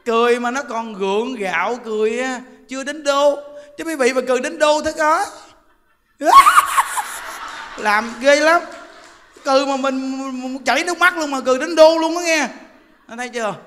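High bright-voiced Southern Vietnamese monk. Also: male voice, a little fast, a little hiss or hum. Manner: chatty, joking storyteller who laughs often. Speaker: Buddhist monk teaching Dharma. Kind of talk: humorous Dharma talk. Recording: long hall reverb.

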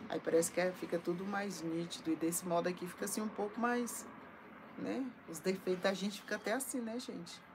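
A woman's voice: fairly low pitch, fairly even intonation, fairly quick, noisy background. A woman with a Brazilian Portuguese accent preaching on a live stream from her home into a phone, chatty and tagging her lines with little checks to her listeners. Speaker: evangelical preacher. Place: at home, indoors. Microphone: phone held in front of her.

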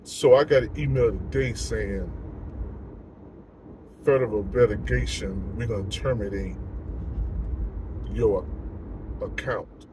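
A middle-aged man speaks into a handheld phone from inside a car. He rants in a loose, casual way, repeating himself out of frustration. Steady vehicle and outdoor noise sits clearly behind him. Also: on the low side, slow, long pauses. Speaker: truck driver vlogger. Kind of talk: casual vlog talk to camera. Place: inside a parked car by day. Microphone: phone camera held close.

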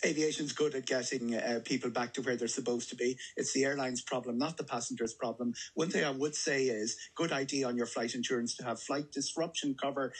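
A middle-aged man with an Irish accent speaks as an expert guest in a radio studio. His voice is husky and mid-pitched. He explains things in detail, often hesitating and correcting himself. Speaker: travel journalist, studio guest. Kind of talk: explanatory news interview. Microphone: studio microphone on table stand.

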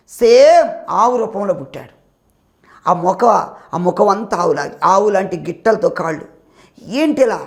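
Gravelly, fervent male preacher. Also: high voice. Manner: fervent preaching, rising emphatic appeals. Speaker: pastor. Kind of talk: sermon.

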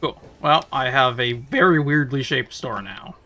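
A man streaming a game, talking casually with chat and breaking into loud playful rants. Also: medium pitch, lively intonation, unhurried, faint music behind. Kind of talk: casual live-stream chat while gaming.

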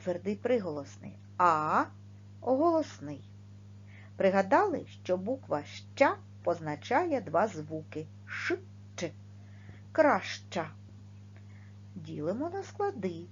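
A primary school teacher gives a children's video lesson slowly and with clear articulation, carefully stressing each word and sound while her pitch rises and falls in a lively way. The lo-fi, dull recording carries a faint hum underneath.

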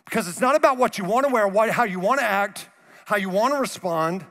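A man in his thirties preaching a sermon on a church stage through a headset mic, animated and moving around, dropping to a soft low voice for emphasis. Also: a little fast. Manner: animated, gestures widely while pacing the stage. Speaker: pastor. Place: large church auditorium stage. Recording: reverberant hall, faint music.

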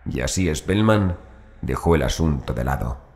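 A man reading a horror audiobook as narrator in a measured, phrase-by-phrase manner. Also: extremely low pitch, expressive, vocal fry, darkish tone.

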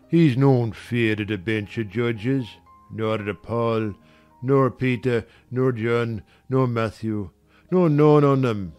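A man's voice: mid-range voice, a little mellow, clean tone, lightly acted. A man playing a scornful, preachy old servant with a Yorkshire accent in a dramatized audiobook, speaking in emphatic dialect. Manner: slow, emphatic dialect speech.

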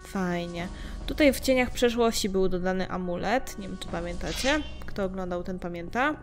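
A woman's voice: mid-range voice, moderate pace. A young woman talks through a game in an easygoing, chatty way, muttering to herself as she works through it. Her voice sits mid-range, with faint game music underneath. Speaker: gameplay streamer. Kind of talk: casual let's-play commentary.

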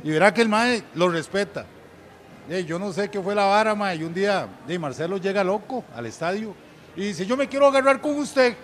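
A man's voice: sits high, moderate pace, slight background noise. A middle-aged Costa Rican man telling anecdotes in casual chat, acting out the voices of the people in his stories. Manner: animated, acts out quoted voices loudly. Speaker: guest storyteller.

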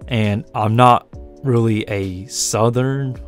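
Narrating slowly, this young American tarantula breeder and channel host talks in a deep voice marked by a slight Asian lilt that he mentions himself. He rambles in a relaxed, self-deprecating way about his hobby. His voice-over was recorded separately from the pictured footage and sits over faint, soft background music.

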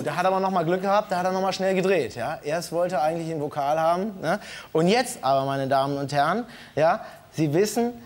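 Mock-earnest male comedy host. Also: fairly high pitch. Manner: mock-earnest, explaining to the audience. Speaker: late-night comedy host. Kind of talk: comic studio presentation. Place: TV studio with live audience.

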